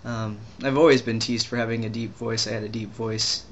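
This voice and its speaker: Rambling young trans man on a flat hum. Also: on the low side, lo-fi sound. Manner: rambling, halting, many restarts and fillers. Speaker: vlogger. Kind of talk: casual video diary.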